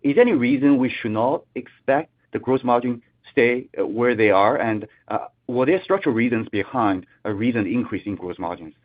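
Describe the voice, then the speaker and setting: A man's voice: mid-range voice, moderate pace, hardly any pauses, dry recording. A man asking questions as an analyst on an earnings call, polite and rambling, repeating words. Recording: narrow dry telephone line.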